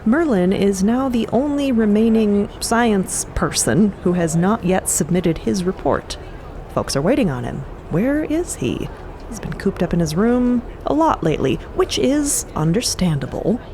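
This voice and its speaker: Mid-pitched female narrator over noisy ambience. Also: big pitch swings, unhurried, mellow. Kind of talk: scripted dramatic narration.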